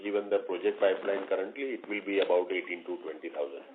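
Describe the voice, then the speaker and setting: Male executive, low register, choppy answers on a business call, thin noisy telephone audio. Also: steady tone, quick pace. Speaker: company executive answering analysts. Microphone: telephone conference line. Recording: noisy, tinny phone line.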